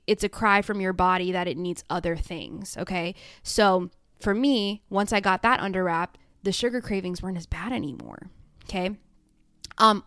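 A young woman hosting her own podcast, talking frankly and oversharing, swearing freely and mimicking herself in high, silly voices. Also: fairly bright tone, smooth, no echo, clean studio sound. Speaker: podcast host. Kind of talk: candid solo podcast monologue.

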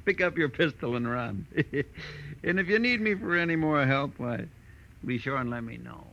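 Gravel-voiced American heavy, big, fat and smugly mock-friendly, on a dull old radio recording. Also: male voice, medium pitch, expressive, normal speed, noisy background. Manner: drawling, chuckling, mock-friendly. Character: huge fat male underworld tough, smug and chuckling. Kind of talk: 1940s radio crime drama acting.

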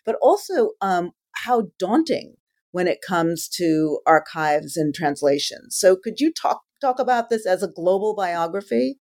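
Lowish-voiced woman interviewer, thinking aloud. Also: big pitch swings, a little slow, darkish tone. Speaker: interviewer, podcast host. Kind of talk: conversational interview questions.

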